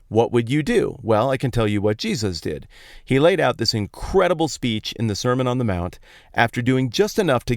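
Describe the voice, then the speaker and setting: A smooth, medium-pitched voice belongs to a Colorado podcast host who tells Bible stories casually and colloquially, leaning on playful emphasis. The monologue was recorded inside a parked truck, with studio-quality sound and no echo.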